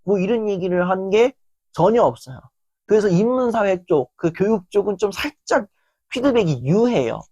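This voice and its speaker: Animated Korean woman giving a lecture. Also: medium pitch, moderate pace, no echo. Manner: animated, acts out quoted lines. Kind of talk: motivational lecture.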